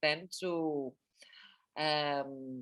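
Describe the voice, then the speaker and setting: With a Greek accent, a woman speaks in a bright, sharp tone on a very clean recording with a silent background. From Greece. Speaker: author. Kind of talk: interview. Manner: halting.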